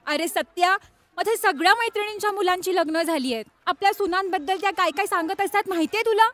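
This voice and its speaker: A woman's voice: extremely high pitch, quick pace, fairly bright tone. A woman dubbing a melodramatic middle-aged mother in a family comedy film, scolding and plaintive.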